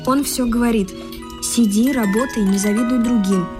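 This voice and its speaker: An actress in a radio play voicing a naive, flighty young wife with a plaintive, gushing manner. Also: female voice, a little high, moderate pace, close to an everyday voice. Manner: plaintive sighs and gushing exclamations. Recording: music behind the voice.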